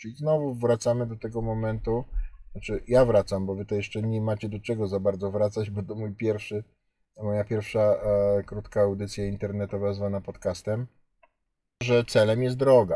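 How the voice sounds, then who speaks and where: The man's tone is dark and mellow, with a medium pitch. He keeps a moderate pace and fairly even intonation. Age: 50s. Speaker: addiction therapist, podcast host. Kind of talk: personal monologue. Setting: in a car. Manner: halting.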